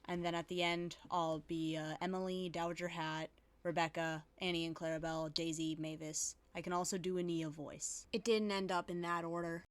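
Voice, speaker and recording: A woman's voice: lowish voice, little pitch movement, normal speed. A woman amateur voice actor talking informally as she introduces a voice acting reel.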